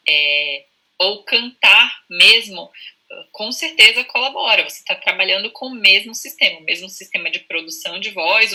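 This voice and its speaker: Bright, husky-voiced Brazilian woman explaining. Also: mid-range voice, rough recording. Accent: Brazilian Portuguese. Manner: calm, explanatory, frequent "né?" tags. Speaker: speech therapist guest. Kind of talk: conversational explanation in a live video chat. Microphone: video call.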